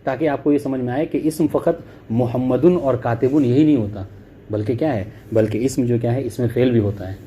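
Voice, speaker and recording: There's faint background noise as a man with a dark, mellow, mid-range voice leads an Arabic grammar class. He reads passages slowly before explaining them faster, and he keeps asking "clear?" and "okay" to make sure the students follow.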